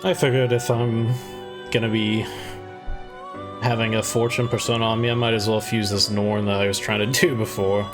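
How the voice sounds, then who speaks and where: A man's voice: lowish voice, level tone, normal speed. A man doing casual let's-play commentary, joking and thinking aloud in a rambling way. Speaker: gaming video host. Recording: game music behind the voice. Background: video game music.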